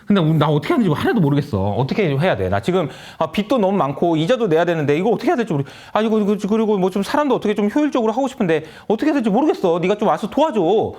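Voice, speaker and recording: A man putting on a brash, bullying superpower who turns whiny and helpless when pressed. The voice is rough and informal and swings up and down. It is played as a quick comic sketch inside a talk. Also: high voice, sing-song, a little mellow. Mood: pleading. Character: blustering, then pleading personified superpower, male.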